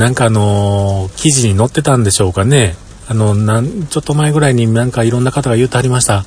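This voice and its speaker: A man with a Kansai accent speaks in a relaxed tone at a medium pitch. His intonation is lively, and there is noticeable background noise. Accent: Kansai Japanese. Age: 50s. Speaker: podcaster. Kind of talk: casual monologue.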